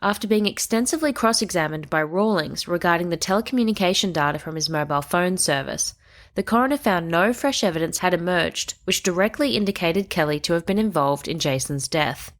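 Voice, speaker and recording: A woman hosting a true crime podcast, reading a measured scripted narration with a stuffy nose. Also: on the low side, expressive. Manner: measured, reasoning aloud through evidence.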